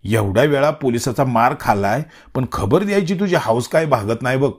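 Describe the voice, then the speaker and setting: A man's voice: medium pitch, lively intonation, normal speed, slightly rough. A man voicing a bold, hot-tempered village man with a rural Marathi dialect, talking bluntly and scolding.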